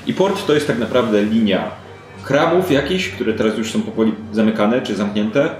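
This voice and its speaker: A man's voice: lowish voice, expressive, moderate pace, faint music behind. A man running a tabletop role-playing game, improvising descriptive narration in a conversational way. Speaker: game master. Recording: roomy, echoey indoor recording.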